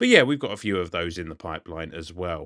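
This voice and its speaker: Over a quiet background, a man with a British accent speaks with very wide pitch swings. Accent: British accent, complimented by listeners. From Britain. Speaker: podcast host. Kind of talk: casual podcast chat. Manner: hesitant, many fillers.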